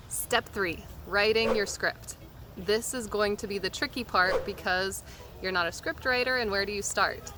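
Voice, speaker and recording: A woman giving an informal, step-by-step how-to tutorial in the manner of a voice actor teaching beginners. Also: medium pitch. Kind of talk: explanatory how-to tutorial talk. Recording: music behind the voice. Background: background music.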